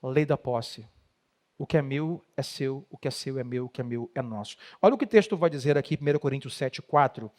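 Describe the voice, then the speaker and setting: A man's voice: medium pitch, a little fast, darkish tone. A middle-aged man with a Brazilian Portuguese accent, a pastor preaching emphatically on marriage. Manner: emphatic preaching, acts out quoted spouses. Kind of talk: sermon talk on marriage.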